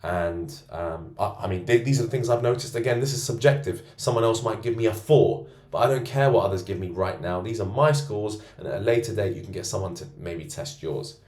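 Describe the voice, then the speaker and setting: A man coaching men on self-improvement, rating himself out loud in a boastful, self-assured monologue from a co-working space. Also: lowish voice, brisk, few pauses. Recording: roomy echo.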